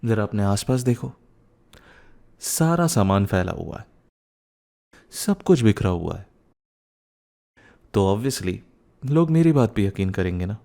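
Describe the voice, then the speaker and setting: A man's voice: lowish voice, expressive, slow, vocal fry, pauses often, mellow, full character voice. A young man playing a teasing, playful and cheekily bossy young husband who gets flustered, in a boyfriend ASMR roleplay, mixing in some English. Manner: teasing, repeats words, mixes in English.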